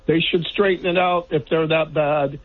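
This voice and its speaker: A man's voice: fairly high pitch, steady tone, moderate pace. A man from the Virgin Islands calling in to a radio show, making direct points one by one. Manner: direct, lists numbered points. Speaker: caller. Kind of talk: call-in radio question. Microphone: telephone. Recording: tinny phone line.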